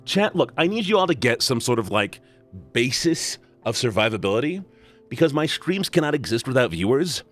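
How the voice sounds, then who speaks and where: A man streaming a visual novel, talking to his chat in an animated, dramatic, joking way. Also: mid-range voice, normal speed, soft background music. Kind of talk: casual live-stream chat while playing.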